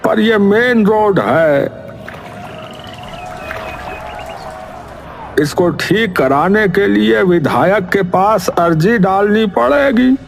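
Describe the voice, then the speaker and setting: A man playing a high-pitched, creaky village headman. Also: exaggerated voice. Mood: exasperated. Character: beleaguered village headman, fatherly, grumbling but obliging. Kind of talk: animated moral story dialogue.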